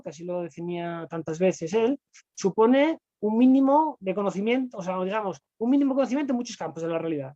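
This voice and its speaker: Fast-talking man, lo-fi. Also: sits high, darkish tone, dry recording. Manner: rapid, with frequent fillers and rhetorical tags. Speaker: philosophy guest. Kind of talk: conversational explanation. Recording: dull, lo-fi dry sound.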